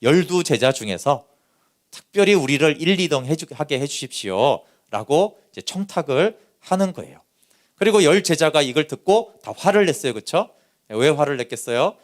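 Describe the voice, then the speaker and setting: A man who is a pastor preaching a Sunday sermon, lively and conversational, often acting out what people said. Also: a little high, moderate pace. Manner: animated preaching that acts out quoted speech.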